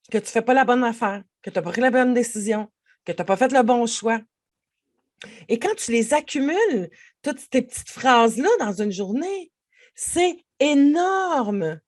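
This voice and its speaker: A woman with a Québécois French accent, a life coach giving a podcast monologue and speaking straight to the listener. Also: on the high side. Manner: animated, speaks directly to the listener.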